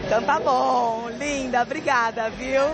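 A woman's voice: a little high, fairly even intonation, unhurried. Bubbly woman reporter at a noisy expo. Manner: bubbly, complimenting. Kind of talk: on-the-spot fair interview. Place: busy indoor sports expo. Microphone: handheld mic. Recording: noisy expo hall with music and crowd. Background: crowd and music.

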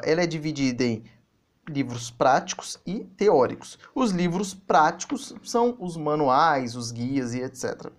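A man in his thirties commenting on a book in a casual video, explaining with animation. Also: on the high side. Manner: animated, gestures while explaining. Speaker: channel host reviewing a book. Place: small office indoors.

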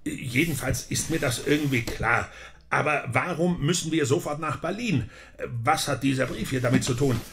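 An actor playing a flustered, reluctant academic sidekick in an audio drama, stammering and fussy, with a creaky voice. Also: male voice, a little high, moderate pace, fairly bright tone. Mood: flustered, puzzled. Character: flustered, reluctant male academic, the hero's best friend. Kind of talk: German audio drama acting.

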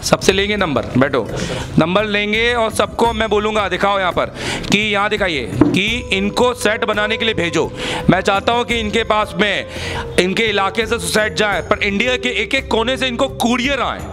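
A man's voice: sits high, expressive, moderate pace, music in the background. A man in his thirties holding a handheld mic in a busy classroom, questioning students and lecturing in a salesy promotional manner. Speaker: institute interviewer.

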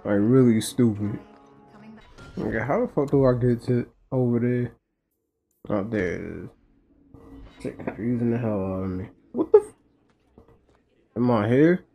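Mellow-voiced man doing slangy gameplay commentary. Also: mid-range voice, expressive, a little slow, creaky, pauses often, soft background music. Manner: slangy, blunt. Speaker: gamer. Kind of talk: casual, profane gameplay commentary.

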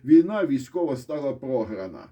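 A man's voice: mid-range voice, big pitch swings, normal speed, dark tone. A man with a Ukrainian accent giving blunt, sarcastic solo commentary on a war, swearing freely and breaking into pointing asides. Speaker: military-political commentator. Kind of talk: casual solo commentary with map.

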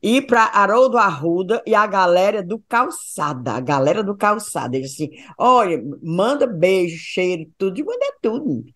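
A woman co-hosting a podcast, chatting playfully with animated asides. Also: medium pitch, normal speed, hardly any pauses. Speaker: podcast co-host. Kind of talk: casual podcast chat.

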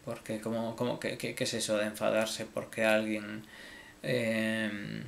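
Gravelly, halting Spaniard apologizing. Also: male voice, on the low side, monotone, a bit bright, a little hiss or hum. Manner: halting, repeats words, swears casually. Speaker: video creator. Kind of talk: casual apology to viewers.

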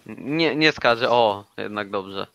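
A young man chatting casually and excitably while playing a hunting game with a friend. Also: lowish voice, slow pace, no room sound, dull audio. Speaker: gaming YouTuber. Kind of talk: casual co-op gameplay chat.

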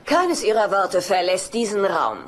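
An unflappable sitcom psychiatrist with wry sarcasm. Her medium-pitched voice moves in lively swings. The dubbed soundtrack is clearly noisy. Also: unhurried.

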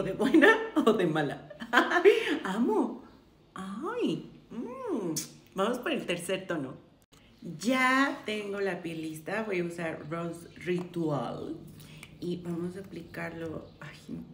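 A woman, chatting effusively to viewers while trying on makeup. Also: fairly low pitch. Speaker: beauty vlogger. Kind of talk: casual makeup try-on chat. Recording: roomy echo, faint room noise.

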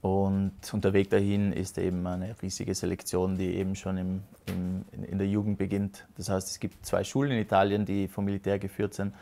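A man's voice: deep voice, completely flat delivery, fairly quick, creaky, hardly any pauses, mellow. A man, a guest in a casual interview who hesitates and restarts often. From South Tyrol, Italy. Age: 30s. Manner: hesitant, many restarts and fillers. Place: rustic hotel lounge with fireplace.

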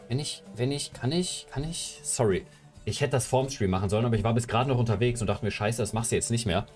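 A man's voice: mid-range voice, darkish tone. Rambling young man streaming from home. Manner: chatty, rambling while fiddling with his camera setup. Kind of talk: casual live stream chat. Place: home room, indoors. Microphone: headset.

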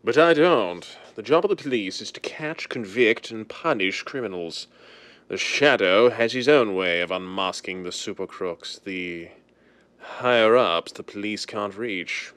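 A man playing a suave, self-assured gentleman crime-fighter in a 1930s-style radio drama, measured and ominous. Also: lowish voice, no echo. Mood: urbane, grave.

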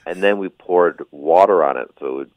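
A man's voice: sits low, normal speed, no echo, narrow, tinny audio. A male stand-up comedian guest on a radio show, telling rambling stories with dry, self-deprecating asides. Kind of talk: casual radio interview.

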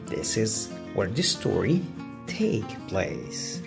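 A woman reading a children's story aloud with deliberate, expressive and dramatic phrasing. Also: extremely low pitch, gravelly, over music. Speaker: storybook reader.

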